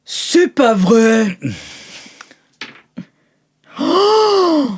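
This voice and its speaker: An excitable, naive companion from a tabletop adventure, put on by a woman. The delivery is cheerful and eager, bursting into exclamations. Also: sits high, very slow, voice pushed up, full character voice. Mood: amazed, eager.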